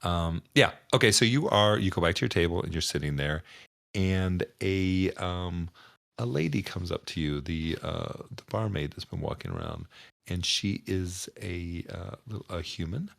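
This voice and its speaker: A man running a tabletop game as game master, narrating casually in a halting, joking, improvised way. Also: sits low, big pitch swings, creaky, fairly bright tone, no echo.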